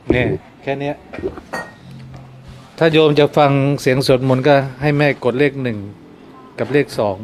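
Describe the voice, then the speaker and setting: A man who is a Buddhist monk gives an informal dharma talk. He explains things patiently and grows soft and earnest when he gives advice. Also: medium pitch, slight background noise.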